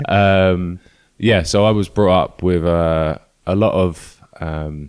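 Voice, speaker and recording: In a London accent, a man speaks at a very deep, low pitch and a very slow pace with fairly even intonation, on a very clean recording with a silent background. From London, Camden. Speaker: rapper. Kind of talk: interview. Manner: halting.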